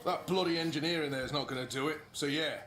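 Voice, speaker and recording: A man's voice: a little high, quick pace, noisy background, lightly acted. A man voicing an irritated, grumbling worker in a video game, exasperated in his delivery. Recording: game audio, echoey, music behind.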